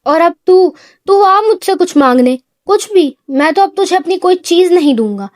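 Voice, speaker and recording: A woman voicing a hot-tempered young man who taunts his brother in a loud, sarcastic, quick voice. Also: extremely high pitch, expressive, no room sound, clean studio sound, pitched above the performer's own voice. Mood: indignant.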